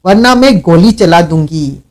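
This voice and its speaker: A desperate young woman crying out pleas to stop, as a male audiobook narrator puts her on. Her voice rides high yet comes slowly, each cry drawn out. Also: animated. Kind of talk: audiobook character reading.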